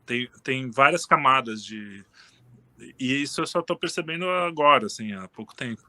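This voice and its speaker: A man talks in a relaxed, meandering way, often stopping to restart his sentences. His voice is bright and forward. The sound is dry and close. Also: mid-range voice, normal speed, dry recording. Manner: relaxed, rambling, frequent restarts and fillers. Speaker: interview guest. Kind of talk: casual conversation.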